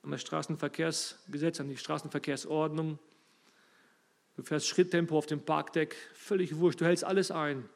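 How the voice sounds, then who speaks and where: A man's voice: fairly high pitch, fairly even intonation, moderate pace, creaky. Emphatic man preaching. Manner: emphatic, rising and falling in loudness, addresses listeners directly. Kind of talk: sermon.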